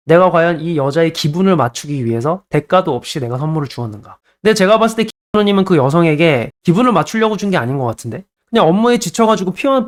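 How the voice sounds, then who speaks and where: Fast-talking man giving dating advice. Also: a little high. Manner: chatty, playfully acts out little scenes with dialogue. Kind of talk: casual advice monologue.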